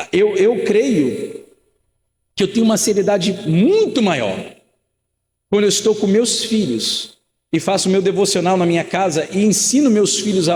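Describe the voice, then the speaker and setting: A man in his thirties preaches a sermon in a high, bright voice. His talk is earnest and conversational, and he keeps circling back with rhetorical questions and repeated phrases. The church around him leaves a long, ringing tail of reverb. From Rio de Janeiro, Brazil. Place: church sanctuary.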